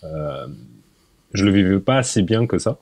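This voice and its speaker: A man in his forties, a podcast guest, talking in a relaxed, hesitant way, often repeating words and laughing. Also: low-pitched, a little slow, dry recording. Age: 40s. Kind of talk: casual interview.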